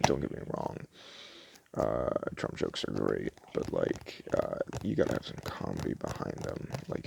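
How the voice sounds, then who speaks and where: An extremely low-voiced man with heavy vocal fry plays a store clerk in an ASMR roleplay. He talks in an offhand, rambling way and trips over words when reading aloud. There is clear noise on the home recording. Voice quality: gravelly, creaky. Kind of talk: casual ASMR roleplay, chatting and reading movie blurbs aloud.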